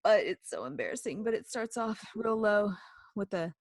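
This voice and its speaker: A woman's voice: mid-range voice, lively intonation, moderate pace, no room sound, studio quality. A woman co-hosting a podcast, chatting casually and playfully, often laughing. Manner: laughing, playful, sings snippets. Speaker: podcast co-host. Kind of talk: casual chat.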